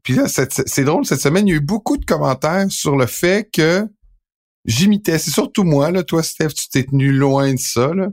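A man's voice: a little high, animated, normal speed. Québécois guy co-hosting, middle-aged, talks loose with lots of restarts. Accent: Québécois French. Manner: rambling, many fillers and restarts. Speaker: sports podcast co-host. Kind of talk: casual chat.

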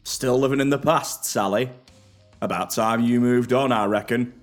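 A man's voice: mid-range voice, soft background music, lightly acted. Man doing a cocky working bloke. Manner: cocky, boisterous, quick to anger. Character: arrogant swaggering male British laborer, short-tempered.

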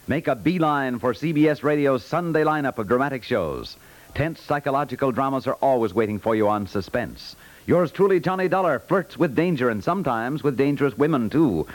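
A man's voice: medium pitch, animated, a little fast. A man with an American accent announcing in a polished, punchy 1950s network radio promotional style. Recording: vintage 1950s radio broadcast.

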